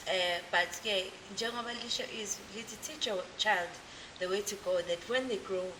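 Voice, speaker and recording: A woman's voice: medium pitch, moderate pace. South African woman, hissy recording. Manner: relaxed, laughs often, lively storytelling. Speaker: guest, gospel singer. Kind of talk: casual interview chat, mixing Zulu and English. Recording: hissy background noise.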